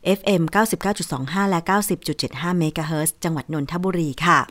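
A middle-aged woman from northern Thailand hosting a public radio podcast, chatting politely and warmly straight to her listeners. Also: fairly low pitch, fast talker, dry recording. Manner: polite and chatty, soft sentence endings, addresses listeners directly.

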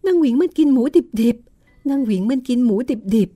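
Hoarse woman playing a terrified old housekeeper, high shrill shrieks, loud cries for help, storybook podcast. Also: lively intonation, normal speed. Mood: panicked. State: hoarse from a cold.

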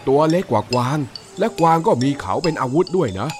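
A man's voice: a little high, expressive, brisk, natural voice. A man voicing a large menacing tiger in a children's storybook, drawling and mocking, with music behind. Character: big menacing male tiger.

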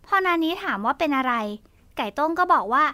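A woman's voice: high-pitched, fairly quick, background noise, close to an everyday voice. A woman voicing a curious, caring young girl who chats expressively in a children's audio drama. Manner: bright, chatty, expressive.

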